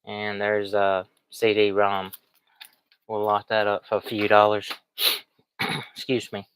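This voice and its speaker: A man's voice: on the low side, monotone, slow, a bit bright, clean tone, dry recording, low-quality recording. A man with a cold chats in a rambling, folksy way as he shows items to viewers in a casual livestream. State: sniffly, has a cold. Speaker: online reseller streaming.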